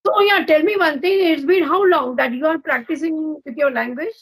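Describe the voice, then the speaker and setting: A woman's voice: high-pitched, normal speed. A woman with an Indian English accent hosting an English practice video call, asking friendly, encouraging questions. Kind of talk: casual video call chat.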